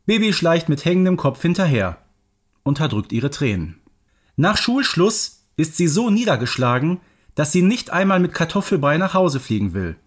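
A man narrating a scripted children's story in the manner of an audio drama storyteller. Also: fairly high pitch.

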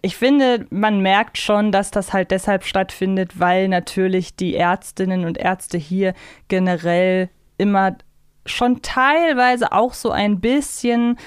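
A woman's voice: medium pitch, steady tone, takes it slowly, clean tone, no echo. Female podcast co-host: conversational, reflective, clean resonant tone, dry room. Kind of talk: casual chat.

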